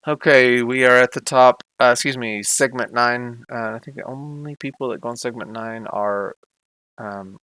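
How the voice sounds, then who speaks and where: A man's voice: mid-range voice, fairly even intonation, normal speed, sharp tone, smooth, dry recording, rough recording. A man narrating a tabletop game as game master, in a casual, laughing, self-deprecating way.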